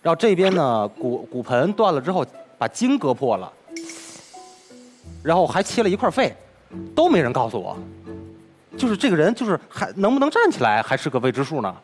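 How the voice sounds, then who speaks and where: A man, a crosstalk performer telling a personal story as an interview guest, with an animated delivery that acts out the dialogue. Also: a little high, fairly quick, long pauses, soft background music. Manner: animated, retells dialogue with lively swings.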